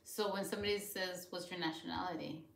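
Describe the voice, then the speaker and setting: A woman's voice: on the low side, fairly even intonation, fast talker, vocal fry, fairly bright tone. Young woman, casual kitchen chat, code-switches, laughs easily; roomy echo. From California. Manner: chatty, switches into Spanish, laughs often. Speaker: vlogger. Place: home kitchen, indoors.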